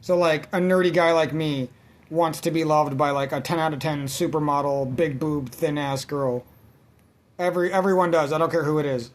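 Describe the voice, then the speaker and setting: A man's voice: on the high side, steady tone, moderate pace. A man ranting in casual let's-play commentary, rambling and swearing constantly as he vents. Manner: rambling, profane, venting. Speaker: gaming channel host.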